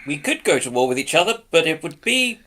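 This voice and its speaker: A man's voice: a little high, big pitch swings, fairly quick, bright, forceful tone. A man on a panel bantering casually, with a mock-serious, dryly joking delivery. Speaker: panel guest.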